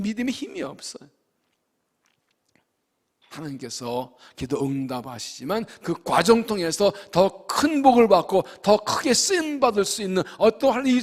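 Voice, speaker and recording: Male pastor, sermon, very lively pitch, gravelly, pleading prayers acted out, church sanctuary reverb. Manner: preaching with sudden loud rises and soft drops; acts out prayers and quotes in a pleading voice. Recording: long reverb of a church hall.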